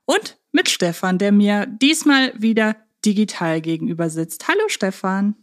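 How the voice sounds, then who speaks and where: Female podcast host, mid-pitched voice, relaxed conversational delivery with a humorous touch. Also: normal speed. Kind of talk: casual humorous podcast chat.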